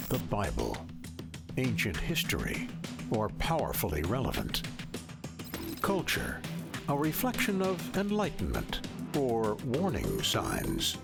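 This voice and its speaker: Slow dramatic promo announcer over music. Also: male voice, mid-range voice, vocal fry. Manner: dramatic, slow, swooping delivery. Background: music bed.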